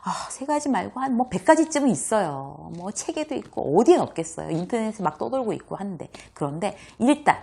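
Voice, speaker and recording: A woman hosting her own lesson on speaking well, talking straight to viewers in a lively way and acting out examples with frequent laughs. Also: mid-range voice, a little fast, vocal fry, few pauses, slightly rough. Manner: animated, acts out examples, laughs often. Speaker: host and workplace communication coach. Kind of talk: talking-head lecture.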